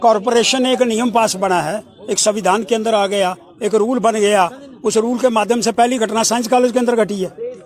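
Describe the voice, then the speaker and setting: Man, high voice, declamatory, demanding, impassioned protest address. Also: fairly even intonation, moderate pace. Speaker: protest speaker.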